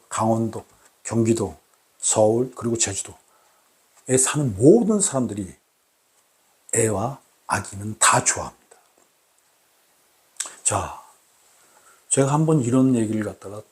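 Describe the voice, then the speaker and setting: A man hosting his own channel, talking to camera in a formal, deliberate way with many repeated rhetorical questions. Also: fairly low pitch. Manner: repetitive, emphatic rhetorical questions. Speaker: channel host. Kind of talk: solo talk to camera.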